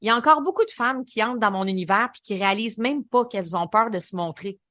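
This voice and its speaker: A woman with a Québécois French accent hosting a solo podcast, coaching in a lively, colloquial way. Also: fairly high pitch, fast, dry recording, studio quality. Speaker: podcast host and business coach.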